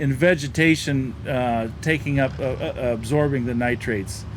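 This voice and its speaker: A man speaks with lively intonation in an American accent. The room echo is audible, and background noise is noticeable. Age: 60s. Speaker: drainage contractor. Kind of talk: podcast interview. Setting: recorded on site outdoors at a farm event. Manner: halting, with frequent restarts.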